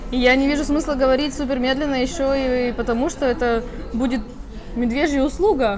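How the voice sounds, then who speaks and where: Over noticeable background noise and audible room echo, a woman with a high pitch talks at a fairly quick pace, her loudness very even and her intonation fairly even. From Russia, Arkhangelsk. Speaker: Russian language teacher. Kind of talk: interview. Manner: fast.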